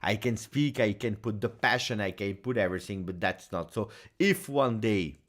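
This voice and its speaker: With a voice on the low side and a normal speed, a football video host whose first language is French runs through a casual match recap. He's animated and passionate, leaning heavily on fillers.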